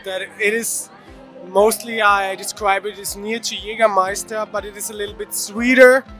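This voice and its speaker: Man with as his explaining a drink in english, high bright voice, bit of music behind. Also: normal speed. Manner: relaxed, explanatory. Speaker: interview guest.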